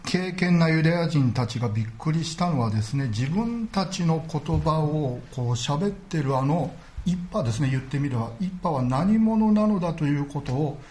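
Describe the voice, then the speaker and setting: A man preaching a sermon as pastor, earnest and measured, often padding his sentences with small filler words. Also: a little high, animated, a little mellow.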